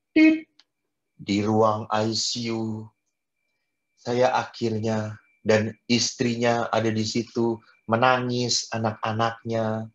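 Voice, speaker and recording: A man, a Catholic priest, giving a sermon in an animated way, repeating words for emphasis and swinging from loud to soft. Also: muffled recording. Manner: animated, with sharp swings in pitch and loudness.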